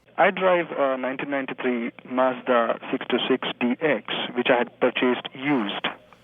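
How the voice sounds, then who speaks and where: Noticeable background noise sits behind the speaker. A man talks at a medium pitch and a moderate pace. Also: ordinary pitch variation. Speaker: caller. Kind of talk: phone-in call describing car problem. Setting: phone call.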